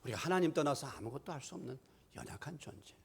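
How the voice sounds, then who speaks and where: A middle-aged man preaching a sermon as pastor in a church, asking rhetorical questions and moving between hushed asides and raised, emphatic lines. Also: mid-range voice, animated, fast talker, husky. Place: church sanctuary.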